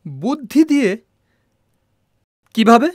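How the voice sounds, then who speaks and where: High-pitched hot-headed young man. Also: very animated, slow, a little mellow, dry recording, clean studio sound, heavily acted. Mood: baffled. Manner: aggressive, impatient. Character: hot-headed, threatening son of a powerful family. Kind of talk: film drama dialogue.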